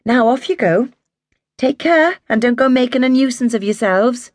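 A tired young mother with a caring, firm way with her children, voiced by a woman reading a storybook. Her voice sits a little higher and livelier than the narration. The recording is close and dry. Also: animated, moderate pace, no room sound. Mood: firm, motherly. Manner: gentle but firm with children.

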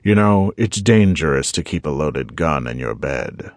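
A cold, controlled intruder, as a male narrator puts him on, speaking slowly and quietly with open menace. The voice sits very low and heavy, recorded close and dry with no room around it. It belongs in a dark audiobook thriller. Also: expressive, no room sound. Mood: menacing. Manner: slow, quiet and threatening.

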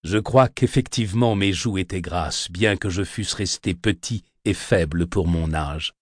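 A man reading a classic novel aloud as an audiobook narrator, with a measured, expressive delivery into a close studio microphone. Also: sits low, no echo. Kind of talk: scripted literary narration.

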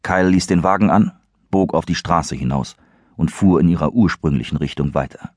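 Deep, husky male audiobook narrator. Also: brisk, darkish tone, no room sound, studio quality. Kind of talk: scripted narration.

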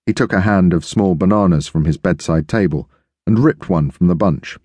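A man narrating an audiobook in the first person, steady and measured. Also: low voice, no echo.

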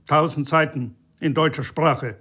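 A man reading an audiobook and voicing a pompous, shouting male EU police officer who barks orders in a raised, high voice. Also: steady tone, unhurried, slightly rough. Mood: barking, officious. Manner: bellowing, officious, self-important.

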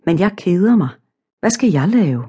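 A woman's voice: on the low side, lively intonation, mellow, breathy edge. A woman voicing a bored naive young man. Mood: plain.

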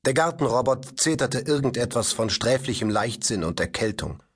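Male audiobook narrator: husky, lively intonation, mid pitch, scripted reading. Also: moderate pace. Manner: expressive, varied storytelling delivery.

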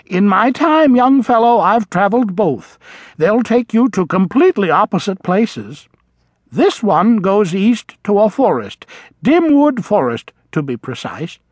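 A man's voice: high-pitched, big pitch swings, a little slow, no room sound, pitched above the performer's own voice, full character voice. A man voicing an elderly, nearsighted male vole who is fussy, apologetic and old-fashioned in speech. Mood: proud. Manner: flustered, polite, old-fashioned phrasing. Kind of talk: audiobook character voice.

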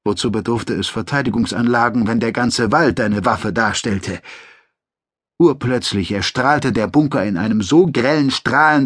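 A man reading a science-fiction audiobook in a measured, dramatic narrating voice. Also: medium pitch, a bit bright, slightly rough, no room sound, studio quality. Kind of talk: scripted narration.

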